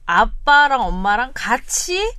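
High, lively young woman panelist. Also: slow pace, clean tone, no echo, clean studio sound. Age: 20s. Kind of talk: casual panel discussion.

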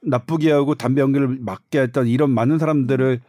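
A man's voice: mid-range voice, fairly even intonation, fast, mellow, dry recording, clean studio sound. A man speaking as an expert guest, explaining science step by step in a conversational way with everyday analogies.

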